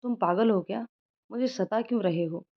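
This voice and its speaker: A woman's voice: medium pitch, moderate pace, close to an everyday voice. Young woman doctor, affectionate, scolding, storybook, woman reading, lo-fi sound. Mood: scolding, fond. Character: young woman doctor, fond but easily upset. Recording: dull lo-fi recording.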